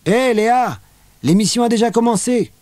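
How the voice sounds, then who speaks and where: A man's voice: very high-pitched, lively intonation, normal speed, a little mellow, dry recording, pitched above the performer's own voice. A man doing a cheeky young boy. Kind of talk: children's audiobook voice acting.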